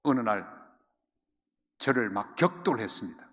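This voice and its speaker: A male pastor preaching a sermon with fervor, dropping to quiet asides and rising to loud, urgent exhortation. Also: lowish voice, animated, moderate pace. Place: church sanctuary. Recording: long church-hall reverb.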